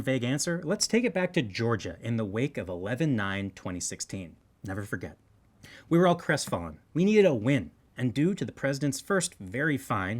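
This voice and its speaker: Man hosting wry political comedy news. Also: medium pitch. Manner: wry, tongue-in-cheek delivery. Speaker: host of a satirical political news show. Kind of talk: scripted comedic news commentary.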